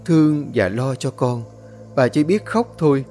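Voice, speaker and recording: A man narrating a ghost story in slow, measured storytelling. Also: medium pitch, animated, mellow, faint music behind.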